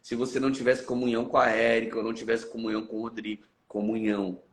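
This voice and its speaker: A man's voice: mid-range voice, level tone, fast talker. A man with a Brazilian Portuguese accent preaching as a guest on a live stream. He mixes Bible teaching with personal testimony and acts out what he once said. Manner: emphatic, storytelling, acts out his past self. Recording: roomy echo.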